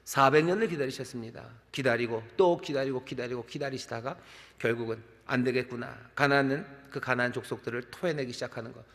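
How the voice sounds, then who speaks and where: A man's voice: mid-range voice, quick pace, a bit bright. A middle-aged male pastor preaching a sermon, pressing his points with repetition and rhetorical questions. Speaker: senior pastor. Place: large church sanctuary. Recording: long church hall reverb.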